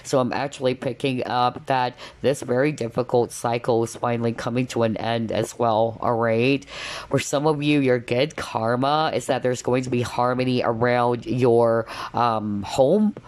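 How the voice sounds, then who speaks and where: A woman's voice: very deep voice, steady tone, normal speed, a little mellow. A woman reading tarot cards in a casual, spiritual style, often checking in with little tags like okay and all right. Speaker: tarot card reader, host.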